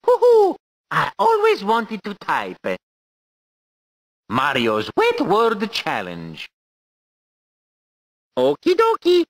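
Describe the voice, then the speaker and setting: A man's voice: no room sound, full character voice. A man voicing Mario, a cheerful cartoon plumber hero with an exaggerated Italian accent, giggling and cheering on a player learning to type in a video game. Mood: goofy. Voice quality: squeaky, sing-song. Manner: goofy and encouraging, giggly. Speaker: typing tutor guide. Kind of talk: video game character voice lines.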